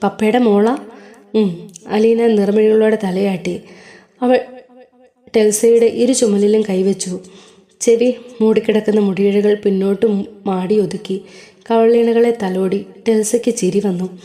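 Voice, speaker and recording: A woman narrates a serial story with a calm, steady delivery. Her voice is mellow and warm rather than bright, sitting at an ordinary middle pitch for a woman. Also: measured pace, long pauses.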